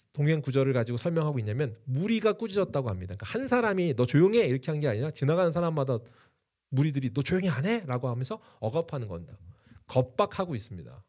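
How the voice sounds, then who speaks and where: A man pastor preaching a sermon, asking the congregation questions and acting out shouts from the story. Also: medium pitch. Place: church sanctuary.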